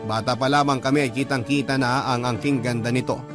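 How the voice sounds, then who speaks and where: A man's voice: mid-range voice, steady tone, a little fast, over music, natural voice. A man playing a gay man in his twenties, telling his life story as a scripted, sentimental first-person letter. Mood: earnest, chatty.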